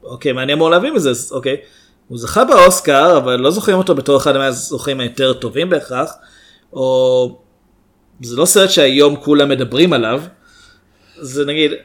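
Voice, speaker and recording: A man co-hosting a film podcast, talking in a measured, hesitant way with pauses. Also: medium pitch, lively intonation, a bit bright. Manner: measured, hesitant, many fillers. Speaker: podcast co-host. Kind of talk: casual film chat.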